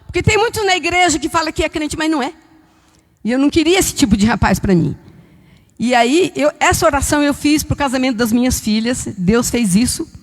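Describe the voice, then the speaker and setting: A woman's voice: high voice, animated, a little fast. Fervent older woman in a reverberant church. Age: 70s. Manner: fervent, storytelling with quoted dialogue. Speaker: church member giving testimony. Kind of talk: church testimony. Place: church hall. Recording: long church hall reverb.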